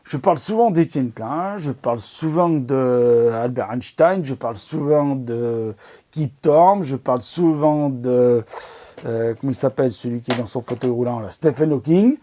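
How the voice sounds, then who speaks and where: A man's voice: mid-range voice, a little slow, warm tone. A man hosting an amateur astronomy video, recommending documentaries in a casual, enthusiastic and rambling way, full of fillers and restarts. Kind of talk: casual product recommendation talk.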